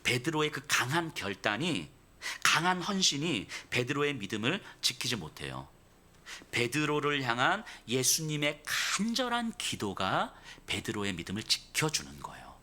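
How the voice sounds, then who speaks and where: A man's voice: medium pitch, huge pitch swings, normal speed, sharp tone. A male pastor delivering a sermon expressively, acting out the dialogue of the figures in his story.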